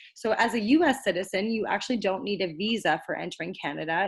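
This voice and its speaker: A woman talks at a very fast pace with vocal fry. Her pitch varies in an ordinary way. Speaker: immigration advisor. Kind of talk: webinar Q&A. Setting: live webinar.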